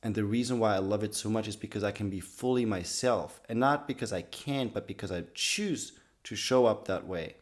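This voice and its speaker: A man with a slightly raspy voice from being sick, talking to camera in an earnest, loose way about personal growth. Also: on the low side, normal speed, hardly any pauses. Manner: earnest, loose sentences with many restarts and "like". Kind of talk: casual talk to camera.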